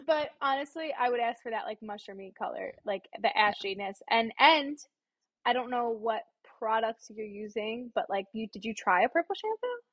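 A woman's voice: on the high side, animated, normal speed, dry recording, muffled recording. A young woman in her twenties, a singer guesting on a podcast, chatting in a bubbly, giggly way. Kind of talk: casual chat.

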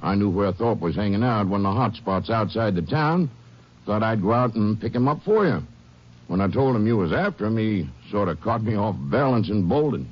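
Small-town sheriff, raspy voice, breezy and glib, radio western, muffled old recording. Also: male voice, fairly low pitch, animated, normal speed. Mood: defensive, explaining. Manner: folksy, breezy. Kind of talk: 1950s radio western acting.

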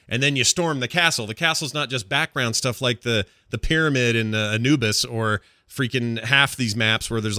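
Deep-voiced man, bright and excited. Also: no echo, clean studio sound. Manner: animated storytelling with slangy asides. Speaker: podcast co-host. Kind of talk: casual enthusiastic gaming chat.

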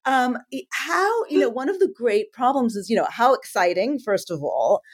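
A woman interviewer asking conversational questions, thinking aloud in a halting, emphatic way. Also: a little high, sing-song, husky. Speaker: interviewer, podcast host.

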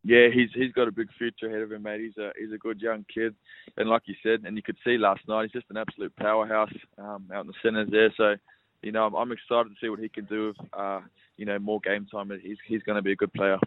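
Young aussie footy player on the phone, lowish voice, talks quick, flat delivery, tinny line. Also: male voice, no room sound. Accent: Australian. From Sydney, Australia. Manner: relaxed, repeats words, says mate often. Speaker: rugby league player. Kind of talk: phone interview.

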